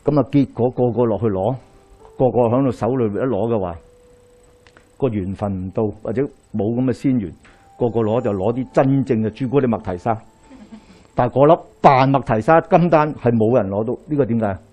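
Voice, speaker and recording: Speaking a little fast at a medium pitch, a middle-aged Daoist priest with a Hong Kong Cantonese accent lectures a live audience. He stands in front of a screen in a small indoor lecture hall, pacing, gesturing, and telling animated stories with rhetorical questions.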